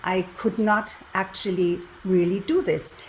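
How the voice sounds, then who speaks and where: A woman's voice: medium pitch, fairly even intonation, a little slow. Older German-accented woman hosting, noisy recording. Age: 70s. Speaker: show host, lifestyle and relationship coach. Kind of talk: presenter's introduction and personal storytelling to viewers.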